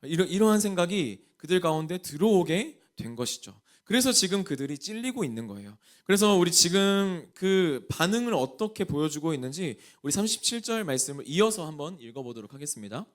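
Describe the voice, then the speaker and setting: Lively questioning pastor, man. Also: fairly high pitch, a little fast, few pauses. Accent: Jeolla Korean. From Jeolla region, Korea. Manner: asks the congregation many questions. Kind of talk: sermon to a young adults group.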